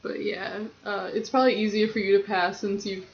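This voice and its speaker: A man's voice: sits high, little pitch movement, brisk, creaky. Wry young trans man, candid chat. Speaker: guest. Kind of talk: casual chat. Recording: slightly dull, faint hiss.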